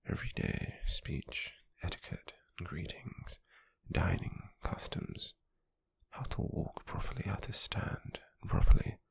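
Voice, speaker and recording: A British man acting a cold, possessive slave merchant in an ASMR roleplay, speaking formally and condescendingly in a breathy, gravelly half-whisper close to the mic. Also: low voice, full character voice. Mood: stern, controlling. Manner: slow, measured, formal, condescending. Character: cold, possessive male slave merchant, controlling yet intrigued captor. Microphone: close microphone, dry.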